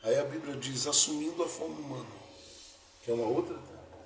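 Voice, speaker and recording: A male pastor preaching a sermon, moving between soft lines and loud, dramatic ones. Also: fairly high pitch, quick pace, a little hiss or hum. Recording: echoey room with faint ambience.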